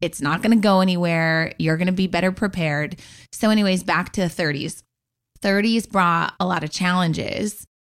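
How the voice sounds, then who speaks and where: Speaking at a moderate pace and medium pitch, a woman sounds animated. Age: 40s. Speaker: podcast co-host and business coach. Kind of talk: casual chat.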